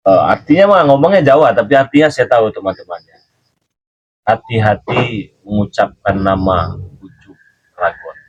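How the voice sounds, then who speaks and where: A man's voice: lowish voice, expressive, normal speed, long pauses, no echo, muffled recording. A man hosting a live stream, telling a rambling story with frequent chuckles and questioning a child. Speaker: channel host.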